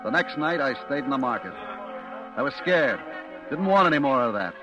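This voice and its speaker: A man acts out a young American store clerk with a guilty secret in a golden-age radio suspense drama. His voice sits at a medium pitch. He confides in slang like a man telling his own sorry story, and trips over his words under pressure. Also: expressive, normal speed, muffled recording, music in the background, natural voice. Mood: uneasy. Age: young adult. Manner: slangy, confiding, stammering when cornered. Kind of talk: 1940s-50s American radio suspense acting.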